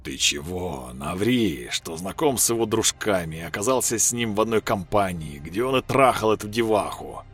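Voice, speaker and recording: A scheming parasite whispering mockery into a young man's mind, as a male narrator puts it on. The voice drops deep below his own, husky and coarse, in a storybook telling. Faint music hums behind. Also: animated, moderate pace, hardly any pauses, fairly bright tone, exaggerated voice. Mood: mocking. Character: sneering parasite voice inside a young man's head.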